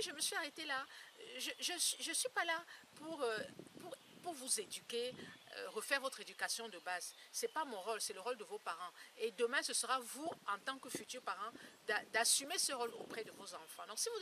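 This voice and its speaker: Woman in her 50s, fairly high voice, earnest and emphatic, informal vlog talk, picked up from a distance. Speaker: beauty blogger and campaigner against skin lightening. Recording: distant mic, clear background noise.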